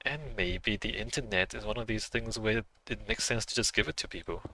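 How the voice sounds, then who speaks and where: A man's voice: lowish voice, brisk, background noise. A man who is not a native English speaker, chatting casually on a game livestream, thinking aloud and musing with small laughs.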